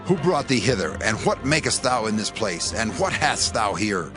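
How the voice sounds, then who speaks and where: An actor playing an inquiring ancient tribal scout in a dramatized scripture reading, with formal delivery. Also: male voice, fairly low pitch, sing-song, moderate pace, music in the background. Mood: probing.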